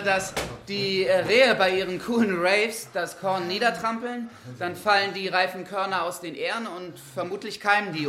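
An actor playing a chatty, responsible youth camp leader who addresses a group informally and with emphasis. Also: male voice, sits high, sharp tone, reverberant, a little hiss or hum. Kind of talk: radio crime drama, addressing a group.

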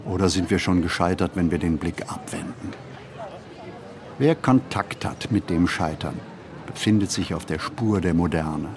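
A man playing a pensive city wanderer in a radio play, narrating a literary monologue with deliberate, measured phrasing and pauses. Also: sits low, a little hiss or hum. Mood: musing. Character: pensive male city wanderer musing on modern life. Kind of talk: scripted literary monologue, reflective first-person narration.

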